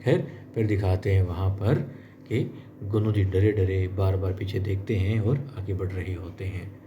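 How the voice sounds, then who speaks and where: Recapping an episode of a TV serial, a deep-voiced man speaks at a moderate pace with fairly even intonation. He's chatty, calls his viewers friends, and performs the characters' quotes as he tells the story. The recording is muffled, with a little hiss or hum.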